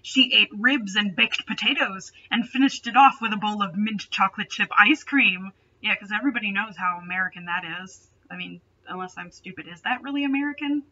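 A woman's voice: mid-range voice, brisk, few pauses, bright, forceful tone, highs cut off. A young adult woman reading a story aloud with dramatic delivery and sarcastic, mocking asides. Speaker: host reading fan fiction aloud. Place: small bedroom, indoors.

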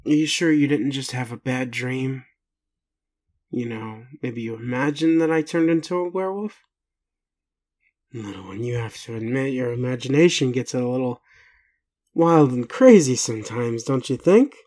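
Speaking in a natural, mid-range voice with lively intonation, a man portrays a drowsy, gentle werewolf in intimate audio roleplay. His tone is tired and doubtful as he haltingly and tenderly looks after the listener.

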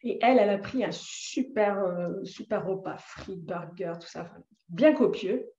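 A woman's voice: mid-range voice, moderate pace, warm tone, echoey room, dull audio. Hesitant French woman recounting a story. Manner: hesitant, many fillers and restarts. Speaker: interviewee sharing a personal story. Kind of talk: personal testimony.

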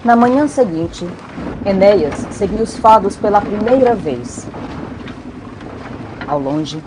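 A woman's voice: medium pitch, expressive, slow, noisy background. A woman narrating a drama from a script in a storytelling style.

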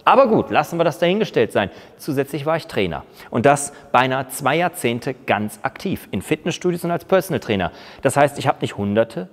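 A man's voice: mid-range voice, a little fast. A man in his forties, a fitness trainer, talking emphatically to camera in a large indoor gym. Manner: emphatic, argumentative, lively gestures. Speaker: fitness YouTuber. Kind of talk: opinionated monologue to camera. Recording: long reverb in a big gym hall.

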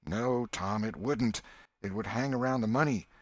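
A man's voice: on the low side, normal speed, no echo, voice pushed up, lightly acted. A man doing a wary country boy. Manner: plain, drawling, superstitious. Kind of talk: audiobook character voice.

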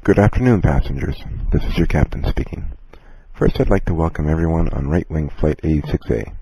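Casting: calm, courteous airline captain played by a man, very low, mellow voice, measured scripted cabin announcement. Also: husky, no echo, heavily acted, low-quality recording. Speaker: airline captain in a listening lesson.

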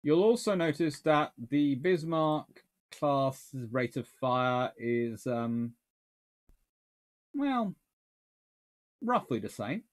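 Extremely slow and given to long pauses, this man's mid-range voice still has lively intonation. He's a naval historian running a casual live Q&A in a small study full of books, meandering through answers and fixing them as he goes.

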